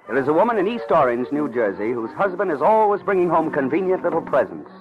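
A man's voice: a little high, big pitch swings, fast talker. A man delivering dramatic scripted narration for an old radio programme. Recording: muffled old radio recording, music.

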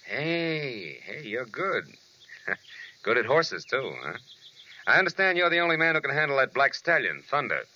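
An American actor playing a wry, tough, wisecracking private detective in a 1940s radio drama. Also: male voice, medium pitch, sing-song, normal speed, sharp tone, full character voice. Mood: wry, probing. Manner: wisecracking, hard-boiled. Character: wry, tough male private detective telling his own story. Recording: noisy, muffled old radio recording.

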